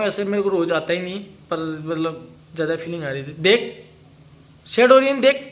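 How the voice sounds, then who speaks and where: Male family vlogger with a high voice, coaxing and reassuring, casual chat to camera. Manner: coaxing and comforting, talks to camera and partner. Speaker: vlogger host.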